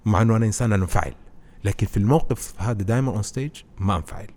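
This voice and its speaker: A man talks quickly in a low, mellow voice with a husky edge. He is a guest on a relaxed podcast. He explains his points through animated personal stories. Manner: animated storytelling, explains with anecdotes. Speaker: guest, presentation expert. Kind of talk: casual podcast conversation.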